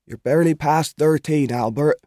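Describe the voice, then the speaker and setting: A man's voice: fairly high pitch, normal speed, mellow, no room sound, clean studio sound, voice pushed up, natural voice. A man voicing an anxious, stern farmer's wife and mother in a storybook reading. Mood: anxious, scolding. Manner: scolding, anxious. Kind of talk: audiobook character voice.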